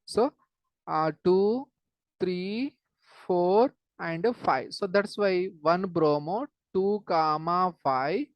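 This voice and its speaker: A woman's voice: lowish voice, very slow, no room sound, muffled recording. A woman with a South Asian accent teaching informally as a chemistry teacher, explaining step by step, repeating phrases and checking understanding with short questions.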